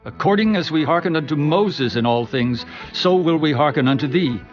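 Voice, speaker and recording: Loyal ancient follower, male actor, fervent, fairly high voice, faint music underneath, scripture drama. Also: animated, normal speed, close to an everyday voice. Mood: earnest, loyal. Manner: earnest, declamatory. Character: loyal, fervent Israelite man pledging obedience. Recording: dull, muffled audio.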